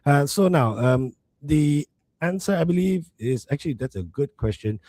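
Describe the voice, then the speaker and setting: A man's voice: fairly high pitch, lively intonation, normal speed, warm tone, dry recording. A man with a mixed international English accent hosting a live trading webinar, talking casually to viewers with many fillers. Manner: conversational, many fillers, addresses viewers as folks. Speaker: livestream host.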